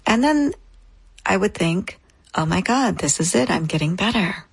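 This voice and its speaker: A woman's voice: mid-range voice, animated, normal speed, vocal fry, breathy edge, no echo. A woman in her thirties, a guest in an interview, telling a personal story in an earnest, reflective way, in short phrases.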